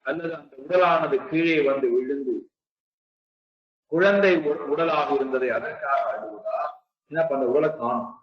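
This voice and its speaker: A man giving a spiritual discourse, speaking slowly and deliberately and repeating his rhetorical questions. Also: a little high. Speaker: spiritual teacher. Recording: echoey, distant, dull lo-fi sound.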